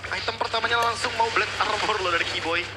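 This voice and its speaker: Quick-talking male esports analyst caster. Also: high-pitched, very noisy. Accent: Indonesian.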